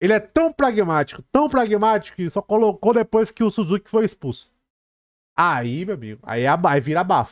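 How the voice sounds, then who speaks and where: A man talks at a high pitch with very wide pitch swings. The background is quiet. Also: moderate pace, dry sound with no echo. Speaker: football commentator. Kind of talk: heated sports commentary, opinionated rant. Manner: animated, emphatic. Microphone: studio mic.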